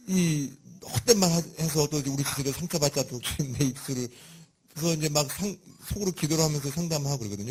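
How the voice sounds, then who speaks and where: A man preaching a sermon in a lively, conversational and humorous way, with a husky voice. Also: fairly high pitch.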